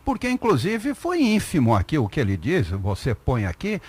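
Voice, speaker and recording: Lively, emphatic Brazilian radio co-host. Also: male voice, fairly high pitch, moderate pace, slightly rough. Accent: Brazilian Portuguese. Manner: opinionated, emphatic. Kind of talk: casual radio talk show chat.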